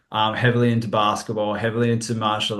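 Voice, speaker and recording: Pitched fairly low, a man talks with an Australian accent. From Western Australia, Perth. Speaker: entrepreneur. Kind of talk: casual interview.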